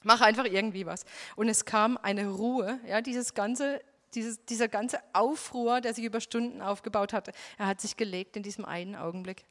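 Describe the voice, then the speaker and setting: A woman preaches with earnest emphasis and keeps filling pauses with a soft "ja." Her voice sits somewhat high. A long hall reverb trails every phrase, as if she were recorded in a large church room. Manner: earnest, emphatic, many "ja" fillers. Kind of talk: sermon with personal testimony.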